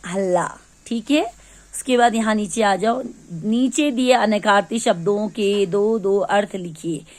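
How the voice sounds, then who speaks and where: A woman's voice: medium pitch, a little mellow. A woman teacher from Ladakh in India, patiently going through a lesson's answers step by step for young pupils. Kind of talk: classroom lesson explanation.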